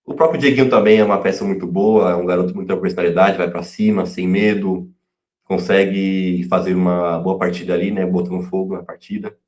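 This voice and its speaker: A man giving casual pre-match football talk, halting, full of fillers and restarts. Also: low-pitched, steady tone, darkish tone. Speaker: fan channel pundit. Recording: echoey room, dull lo-fi sound.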